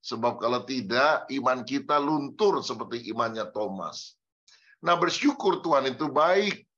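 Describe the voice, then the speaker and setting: A male pastor delivering a lively sermon to a congregation, addressing his listeners directly and acting out the quotes he tells. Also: mid-range voice, a little slow, highs cut off. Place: church.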